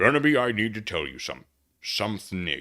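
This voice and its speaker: In a put-on character voice, a man growls at a fairly low pitch and a moderate pace, on a very clean recording with a silent background. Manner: serious.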